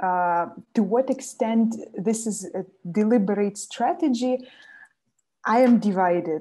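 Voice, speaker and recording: In a Russian accent, a woman speaks at medium pitch with a dark, mellow tone. Her pitch variation is ordinary, and the background is quiet. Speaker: social scientist panelist. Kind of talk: webinar panel discussion. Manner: halting, many fillers.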